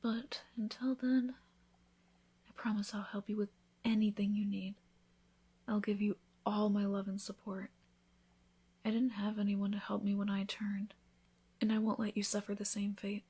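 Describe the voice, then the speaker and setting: A woman playing a devoted newlywed vampire wife in an intimate ASMR roleplay, speaking softly, often in a whisper, with an affectionate, reassuring manner. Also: medium pitch, little pitch movement, normal speed, pauses often. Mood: gentle, reassuring. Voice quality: soft, breathy, often whispered.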